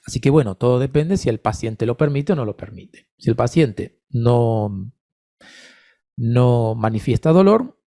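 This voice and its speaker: A man's voice: medium pitch, dark tone, no echo, clean studio sound. A man lecturing in an online course on voice therapy, patiently answering attendees' questions by name.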